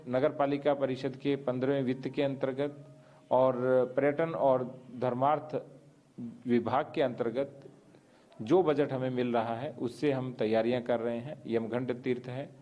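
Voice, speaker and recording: A man speaking as a local official, explaining to the press in measured, formal bureaucratic wording. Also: medium pitch, steady tone, highs cut off.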